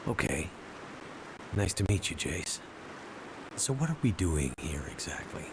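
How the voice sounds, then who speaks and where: A man playing a world-weary, skeptical survivor hero in a video game, speaking in a dry, measured, steady way. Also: low-pitched, background noise, full character voice. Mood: wary. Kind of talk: naturalistic video game acting.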